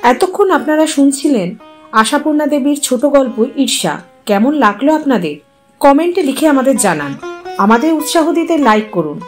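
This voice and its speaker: A woman storyteller narrating literary fiction in an expressive style. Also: sits high, moderate pace, faint music behind.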